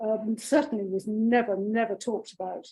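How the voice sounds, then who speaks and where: The woman's voice has a dark, mellow tone. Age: 70s. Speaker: physiotherapist and change coach. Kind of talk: panel discussion.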